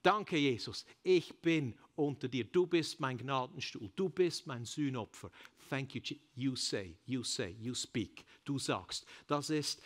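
A man with a Swiss German accent preaching a sermon in a church, rising to loud calls and dropping to quiet endings, slipping in English phrases. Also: mid-range voice. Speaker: pastor. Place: church service.

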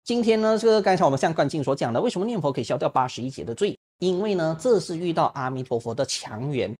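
Brisk, jokey man giving a Buddhist talk. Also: a little high, breathy edge. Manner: lively, humorous, acts out examples; frequent filler particles like "呢" and "啊". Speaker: Buddhist monk teaching. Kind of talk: Dharma talk answering questions. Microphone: online video call.

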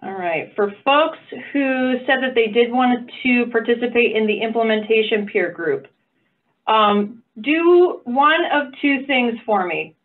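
A woman's voice: on the high side, animated, unhurried. Woman on a tinny video call. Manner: upbeat, encouraging, playful asides. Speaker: meeting facilitator. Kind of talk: online meeting facilitation. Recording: phone-like video call audio.

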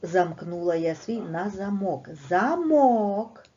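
Here a woman with a low-ish voice leads a lesson for small children, her delivery slow, deliberate and sing-song. Every word gets strong emphasis, as befits a primary school teacher. It's captured on a dull, lo-fi recording.

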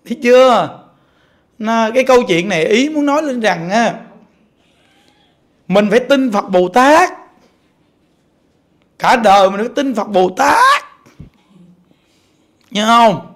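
A man with a Southern Vietnamese accent and an unusually high, light voice, preaching a Buddhist sermon. He tells stories animatedly and keeps turning to the congregation with quick questions. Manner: animated storytelling, keeps asking listeners "see?".

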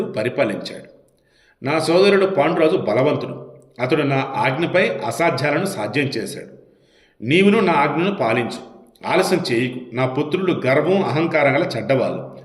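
An aged king gives solemn orders one after another, as a male storyteller reads him in his own slightly high voice. A roomy echo hangs around the words. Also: animated, normal speed, close to an everyday voice. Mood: commanding. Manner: solemn commands. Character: aged king, commanding and anxious.

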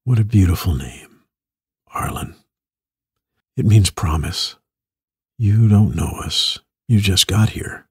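A man voicing a mysterious, solemn, knowing figure in a dramatic demo, slow and portentous, with a gravelly, husky voice. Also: lowish voice, darkish tone, no echo, clean studio sound, exaggerated voice. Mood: solemn, foreboding. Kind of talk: dramatic character voice-over.

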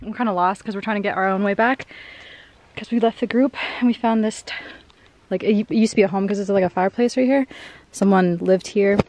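A woman's voice: mid-range voice, brisk, a little mellow. A woman in her twenties vlogging a hike outdoors, chatty and self-mocking, filmed on a handheld camera at arm's length. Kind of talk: casual hiking vlog. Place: outdoors on a canyon trail.

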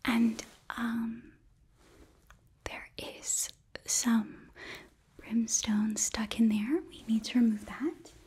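A young woman playing a sweet, earnest hotel hostess from Hell in a whispered ASMR roleplay, gently coaxing and a little hesitant, close to the microphone. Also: on the high side, little pitch movement, extremely slow, pauses often, husky, exaggerated voice. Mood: gentle, attentive. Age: young adult. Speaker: ASMR performer.

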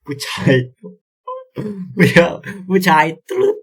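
Excitable young man streaming a game. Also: slow pace. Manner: excitable, yelps and swears at scares; reads game lines aloud, stammering. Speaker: gameplay streamer. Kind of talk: casual let's-play commentary.

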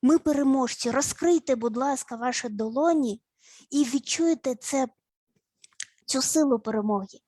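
A woman psychologist leading grounding exercises in an online session, speaking in a slow, instructive way with repeated words and playful sounds. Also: sits high, dark tone, no echo. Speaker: family and child psychologist. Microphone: video call.

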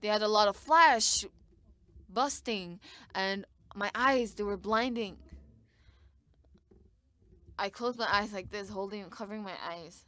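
A woman's voice: mid-range voice, measured pace, pauses often, sharp tone, no echo. A woman giving live interpretation of a sermon, speaking in short bursts with frequent restarts.

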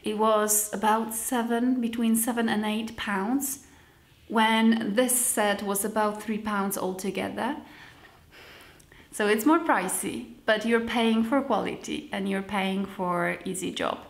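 A woman's voice: medium pitch, fairly even intonation, slow. Young woman, roomy echo. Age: young adult. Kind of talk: casual vlog chat to camera. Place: sparsely furnished room with wooden floor, indoors.

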